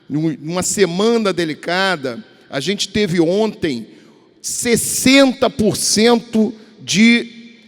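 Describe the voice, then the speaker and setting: A high-pitched man in his fifties, a state deputy from Rio de Janeiro with a Carioca Portuguese accent, delivers a formal speech to his colleagues. He rambles, repeating and restarting words, while the large legislative chamber adds a long reverb.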